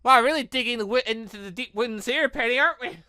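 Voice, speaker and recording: A man hosting a gaming channel, giving animated let's-play commentary with exclaimed reactions. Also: very high-pitched, fast, dry recording, studio quality. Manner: animated, exclaiming reactions between read lines. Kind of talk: let's-play commentary, reading game dialogue aloud.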